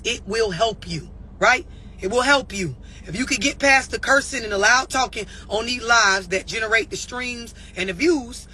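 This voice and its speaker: Blunt, high-pitched preachy man. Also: pushed and bright, slight background noise. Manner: emphatic, repeats for effect. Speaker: self-help motivational speaker. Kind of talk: live-stream motivational rant.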